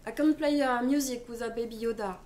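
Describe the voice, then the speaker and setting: A woman's voice: a little high, normal speed, noisy background. A young adult woman with a French accent, a streamer chatting casually, reading out and answering chat while switching languages.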